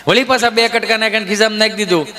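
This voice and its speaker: A high-pitched man with a bright, forceful voice. He tells folk comedy stories on stage and slips into the voices of the villagers in his jokes. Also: fairly even intonation, racing. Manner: acts out villagers in shifting voices, with laughs. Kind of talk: stand-up folk comedy storytelling.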